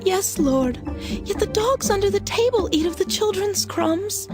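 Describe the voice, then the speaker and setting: A woman's voice: very high-pitched, expressive, measured pace. An actress playing a humble, pleading mother in a dramatized scripture reading. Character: pleading humble Greek mother before a holy man. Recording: music under the voice.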